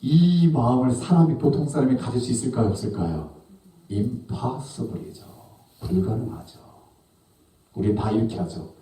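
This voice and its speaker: A male pastor preaching a sermon, swinging between loud questions and hushed, low asides. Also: normal speed. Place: church sanctuary. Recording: echoey church hall from a distance.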